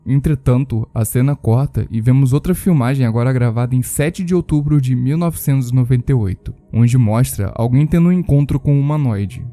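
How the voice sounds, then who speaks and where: A man's voice: medium pitch, fairly quick, few pauses, mellow, no echo. A Brazilian man narrating scripted commentary on horror videos.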